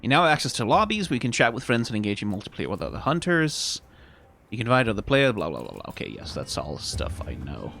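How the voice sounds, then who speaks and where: A man's voice: lowish voice, wildly swooping pitch, fast, creaky, fairly bright tone. A man doing casual video game commentary as he plays, musing aloud and trailing off as he reads. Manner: musing aloud, trails off reading on-screen text. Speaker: streamer playing a video game.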